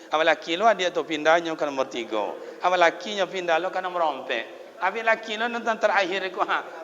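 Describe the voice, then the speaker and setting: Male preacher, Minang accent, fairly high and bright, storytelling sermon; muffled hall recording with long reverb. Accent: Minangkabau Malay. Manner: folksy storytelling, swings between loud exhortation and hushed tones.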